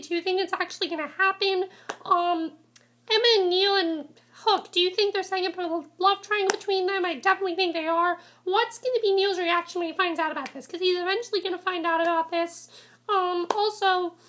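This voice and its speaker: Very high-voiced woman, stuffy with a cold. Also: fairly bright tone. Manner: rambling, many ums and restarts. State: congested with a cold. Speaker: TV episode reviewer. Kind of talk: casual video review.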